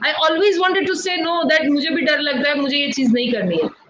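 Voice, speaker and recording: A woman's voice with very wide pitch swings and noticeable background noise behind it. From India, Gujarat. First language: Gujarati. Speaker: public speaking trainer. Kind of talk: live Q&A session. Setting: online live stream. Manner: code-switching Hindi and English.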